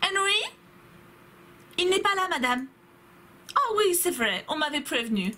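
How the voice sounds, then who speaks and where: A woman's voice: extremely high pitch, quick pace, pushed and bright, pitched above the performer's own voice. A young woman putting on a fussy female teacher with a comic mixed English-German accent while reading a story game. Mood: mock-formal. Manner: exaggerated put-on accent.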